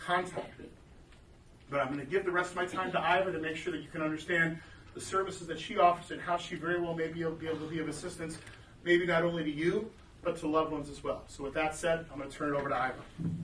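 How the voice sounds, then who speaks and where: Amid noticeable background noise and audible room echo, a man speaks very fast at a high pitch in a monotone, flat intonation. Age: 40s. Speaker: estate planning attorney. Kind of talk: seminar presentation.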